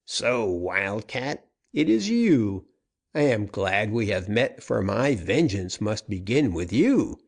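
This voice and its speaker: A man's voice: fairly low pitch, sing-song, slow, vocal fry, full character voice. A man voicing a fierce, vengeful male outlaw captain in a dime-novel reading, snarling and threatening. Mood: menacing.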